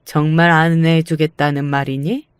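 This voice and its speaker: Woman voicing a shrill spiteful mother-in-law. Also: little pitch movement, moderate pace, clear, resonant tone, no echo, lightly acted. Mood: cold. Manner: scolding, haughty.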